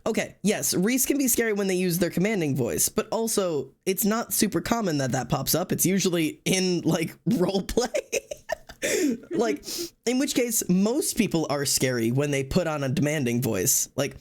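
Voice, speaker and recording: A man's voice: high-pitched, big pitch swings, normal speed, a little mellow. A young man chatting casually on his stream, rambling with many restarts and the odd swear. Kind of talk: casual chat.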